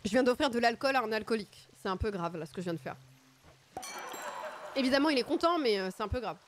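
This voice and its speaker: A woman's voice: a little high, expressive, quick pace, soft background music. A woman streaming a video game with casual, self-mocking commentary, her nose stuffy from a cold. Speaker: gaming streamer.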